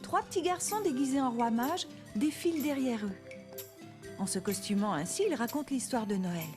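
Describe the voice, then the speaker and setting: Woman acting as young cartoon mother, high-pitched, very lively intonation, encouraging, patient. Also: moderate pace, close to an everyday voice. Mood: warm, explaining. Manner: patient, expressive, explaining simply to a child. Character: gentle, encouraging young mother of a small boy. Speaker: voice actress. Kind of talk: children's cartoon dubbing. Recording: music behind the voice.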